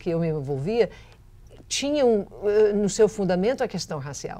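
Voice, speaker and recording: With an English accent, a woman speaks at medium pitch and a moderate pace, her tone dark and mellow and her intonation lively. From US, western New York (Buffalo); western New York. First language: English (speaking Portuguese). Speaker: author and professor; professor. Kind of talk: TV interview. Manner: halting, many fillers. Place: studio. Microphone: lapel.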